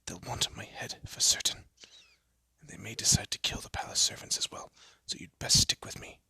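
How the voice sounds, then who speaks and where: A man playing a haughty but secretly soft young elf prince in a scripted roleplay audio drama, with a pompous, formal manner and a breathy, often hushed voice. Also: moderate pace, no echo, in a whisper. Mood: tense, hushed. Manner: pompous, formal, flustered stammering.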